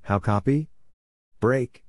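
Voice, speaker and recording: A man slowly reading out a practice radio exchange in short, clipped, spaced-out phrases. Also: mid-range voice, darkish tone, slight background noise. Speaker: Morse code practice reader. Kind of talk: slow spoken readout of a practice radio exchange.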